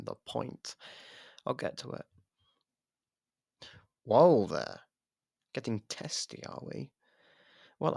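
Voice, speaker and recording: Casting: male actor as a taunting, flirtatious imprisoned killer for ASMR roleplay; husky, unhurried, sarcastic drawl. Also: on the low side, a little mellow, no room sound, clean studio sound, exaggerated voice. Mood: teasing, flirtatious. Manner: drawling, sarcastic, teasing delivery. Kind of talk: ASMR roleplay audio drama.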